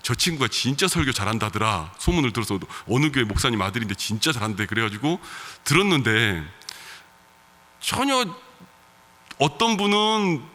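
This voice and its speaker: Man, pastor, regional Korean accent, bright forceful voice, chatty sermon, long church reverb. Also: mid-range voice, very animated, normal speed. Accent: regional Korean dialect. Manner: conversational preaching with soft laughs and fillers. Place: church sanctuary.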